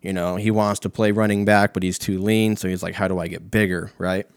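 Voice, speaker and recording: A young American man with a fairly low voice talks in a loose, profane, slangy ramble. He tells stories like a casual comedy host, and the recording is close and dry. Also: level tone, a little fast, clean tone, no room sound. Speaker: host of a comedic talk show.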